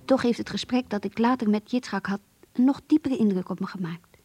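A woman's voice: mid-range voice, brisk, a little mellow, husky, soft background music, lightly acted. An actress playing an eager, curious young Jewish secretary who reads her diary in a Dutch radio play. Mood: eager, confiding. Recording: dull, muffled old radio recording.

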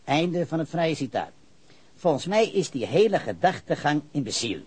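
A man's voice: a little high, big pitch swings, normal speed, darkish tone, husky. An actor playing an evasive, argumentative, pedantic male witness with leftist ideals in a radio drama. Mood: earnest, argumentative.

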